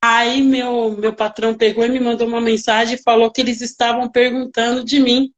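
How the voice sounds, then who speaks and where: A woman working as a nanny, telling stories in a casual interview with lively, emotional reenactments. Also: fairly high pitch, a little fast, highs cut off.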